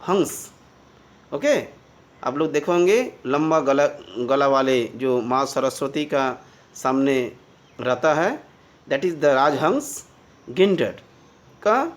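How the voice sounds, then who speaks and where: A teacher giving a bilingual grammar lesson, spelling words out letter by letter and often checking that learners follow. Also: mid-range voice. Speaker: English teacher.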